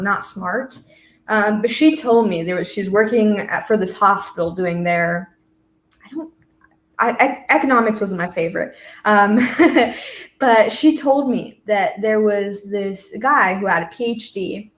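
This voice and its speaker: A young American woman in her twenties, a college student guest, telling a story casually with lots of fillers. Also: medium pitch. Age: 20s. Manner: rambling, filler-heavy storytelling. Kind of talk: casual conversation. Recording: roomy echo.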